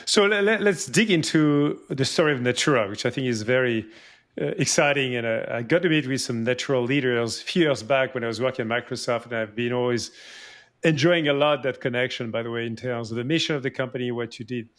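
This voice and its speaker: A man's voice: mid-range voice, brisk, a bit bright. A man hosting a podcast, asking long, winding questions and cutting in with short yeahs while his guest talks. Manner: rambling questions with many "yeah" and "yes" backchannels. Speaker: podcast host.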